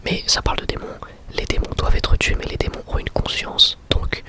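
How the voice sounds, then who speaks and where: A man whispering softly and intimately to his viewers as an ASMR host, giving a review in a breathy, unvoiced voice. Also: fairly quick. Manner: soft-spoken, intimate, addressing viewers directly.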